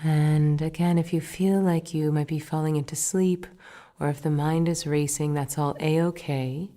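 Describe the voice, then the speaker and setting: A woman meditation teacher with a low-pitched voice guides a meditation calmly. She speaks slowly and soothingly, giving gentle instructions with soft whispered cues.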